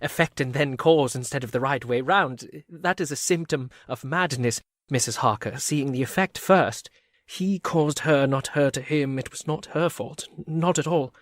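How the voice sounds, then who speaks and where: A man's voice: medium pitch, normal speed, dry recording, clean studio sound, close to an everyday voice. An actor playing a guilt-ridden, rambling asylum madman in a community radio play, swinging from mutters to frantic cries.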